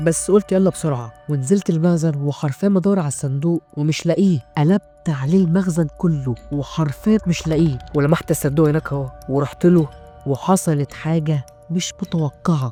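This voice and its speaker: Music plays in the background behind a man speaking. His pitch is fairly high, with ordinary pitch variation. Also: moderate pace. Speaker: horror storyteller. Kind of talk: first-person horror story narration. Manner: casual, conversational.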